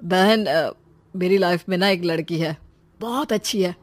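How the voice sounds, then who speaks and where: A woman voicing a trusting young brother in a cartoon who talks softly and earnestly. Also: on the low side, a little slow, voice pushed down.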